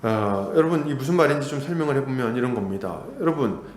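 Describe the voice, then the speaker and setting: A man's voice: medium pitch, lively intonation, quick pace, slight background noise. A male pastor preaching an expository sermon, asking the congregation rhetorical questions and acting out quarrels in quoted voices. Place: church sanctuary. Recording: echoey church hall.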